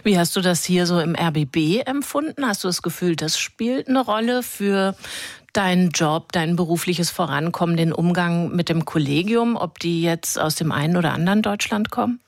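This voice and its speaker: A woman's voice: on the low side, lively intonation, normal speed, no echo, clean studio sound. A woman in her fifties from Hesse with a light Hessian accent, hosting a call-in radio talk and asking reflective questions. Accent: Hessian German. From Hesse, Germany. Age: 50s. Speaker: radio host.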